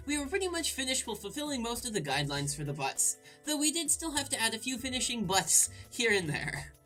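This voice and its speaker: A woman's voice: on the high side, a bit bright. A woman hosting a let's play, reading game text aloud and breaking in with irreverent, crude, jokey asides.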